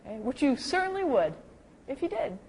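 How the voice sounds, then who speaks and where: Lively woman lecturing on dementia care. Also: fairly quick, a little hiss or hum, poor audio. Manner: lively, acts out quoted people with big pitch jumps. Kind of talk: lecture to caregivers.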